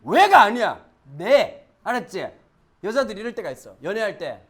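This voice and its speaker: A male pastor preaching with a lively, up-and-down voice. He turns to the congregation with questions and shifts from quiet asides to loud, dramatic outbursts. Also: high voice, moderate pace. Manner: animated, swings from soft asides to loud shouted dramatizations; conversational, asks the congregation questions. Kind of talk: sermon.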